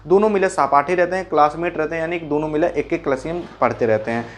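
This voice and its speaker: A man explaining a school chapter in a casual, folksy way, repeating key points as quick questions and answers. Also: a little high, slight background noise. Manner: folksy, calls listeners brother and mimics sounds. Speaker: teacher.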